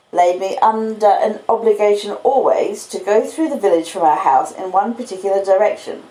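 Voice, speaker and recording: A podcaster and audiobook reader with an Australian accent speaks at a medium pitch in a mellow voice. She reads literary storybooks and chats in a relaxed live format, unhurried and cosy like a storyteller. Her basic home setup of laptop and phone microphones yields roomy echo and basic audio.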